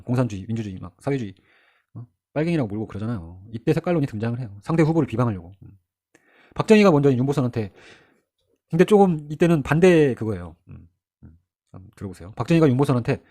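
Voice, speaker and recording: Fast, lively male history lecturer. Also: medium pitch. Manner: chatty, asks the listener rhetorical questions, acts out quoted figures. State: sore throat. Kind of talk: casual exam-prep history lecture.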